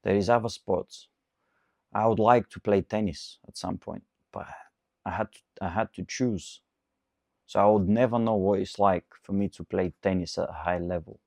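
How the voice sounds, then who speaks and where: A man's voice: on the low side, steady tone, moderate pace, gravelly, darkish tone, no room sound, studio quality. A man in his twenties, a coach, giving an earnest, repetitive motivational talk. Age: 20s. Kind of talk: motivational monologue.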